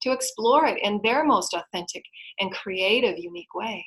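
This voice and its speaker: A woman's voice of medium pitch with a bright, sharp tone. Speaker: intuitive tarot reader and energy healer. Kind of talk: guided healing invocation. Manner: fast.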